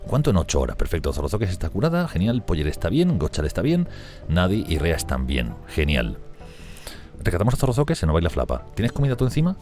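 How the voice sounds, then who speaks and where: A man commenting on a strategy game he is playing, talking fast and excitably, swearing and laughing often. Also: low-pitched, soft background music. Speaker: gameplay streamer.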